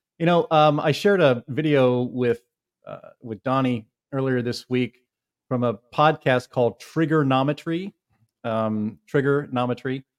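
A plain, everyday voice belongs to a man speaking at a fairly slow pace and medium pitch with ordinary pitch variation. The sound is dry and close, with no echo. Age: 50s. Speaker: think tank vice president. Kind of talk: casual chat.

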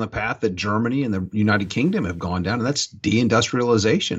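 Speaking very fast with a Texan accent, a man uses a medium pitch with ordinary pitch variation. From Texas. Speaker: former state legislator and energy policy advocate. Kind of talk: interview.

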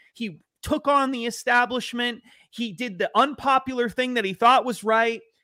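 On a very clean recording with a silent background, a man speaks in a raised, projected voice at a moderate pace, his pitch extremely high and his tone bright and sharp, with fairly even intonation. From New England. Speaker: author and editorial director. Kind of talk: political panel discussion.

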